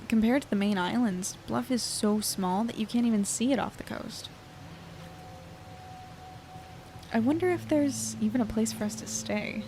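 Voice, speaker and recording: A woman's voice: medium pitch, darkish tone, a little hiss or hum, natural voice. A woman in her twenties playing an earnest young reporter in an audio drama, conversational and hesitant as she thinks aloud. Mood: musing, wry. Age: 20s. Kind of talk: audio drama, naturalistic monologue and dialogue.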